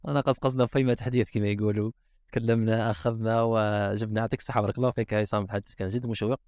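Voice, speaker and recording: Rapid Algerian man co-hosting. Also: on the low side, fairly even intonation, darkish tone, dry recording, clean studio sound. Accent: Algerian Arabic. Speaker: podcast co-host. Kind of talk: casual podcast chat.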